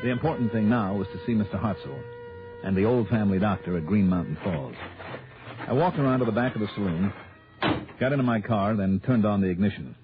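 A hardboiled, wisecracking investigator, played by a man narrates quickly and dryly in a vintage radio drama. His voice sits a little low. The sound is thin and tinny, with music playing behind. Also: lightly acted. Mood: narrating. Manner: dry, wisecracking, clipped. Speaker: narrator and lead detective. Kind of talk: 1960s radio drama acting.

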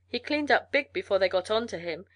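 A woman's voice: medium pitch, lively intonation, brisk, highs cut off, natural voice. A woman voicing a gossipy, amused frontier mail carrier in a storybook, with folksy colloquial talk. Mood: folksy, matter-of-fact. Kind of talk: storybook character voice in narration.

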